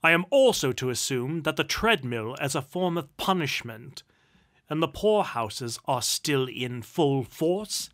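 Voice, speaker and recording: A man's voice: fairly high pitch, animated, measured pace, a bit bright. A man voicing a cold, haughty, bitter duke with a dry, cutting, imperious manner, in a storybook reading. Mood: scornful, imperious.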